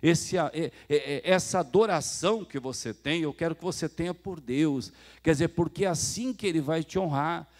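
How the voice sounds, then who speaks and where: A man's voice: fairly high pitch, moderate pace, hardly any pauses, darkish tone. A man preaching a sermon in a Brazilian Portuguese accent, telling stories and acting out the dialogue while speaking straight to the congregation. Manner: storytelling preacher who acts out quoted dialogue; addresses the congregation directly. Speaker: pastor.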